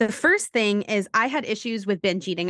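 An unremarkable speaking voice from a woman with an American accent, medium-pitched with ordinary variation, at a fairly quick pace in a dry, close recording with no echo. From New York City. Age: 20s. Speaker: author and model. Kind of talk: interview.

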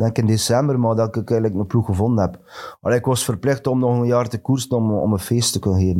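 A man with a West Flemish accent speaks at a fairly quick pace in a dark, mellow tone, his medium pitch moving with ordinary variation and his loudness very even. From Belgium, West Flanders (Ingelmunster). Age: 50s. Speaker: former pro cyclist. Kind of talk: casual chat.

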